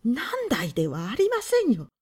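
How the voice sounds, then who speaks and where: A woman's voice: a little high, wildly swooping pitch, a little fast, darkish tone, slightly rough, exaggerated voice. A woman voicing a thin, prim woman of about forty who speaks in a clipped, sharply indignant way.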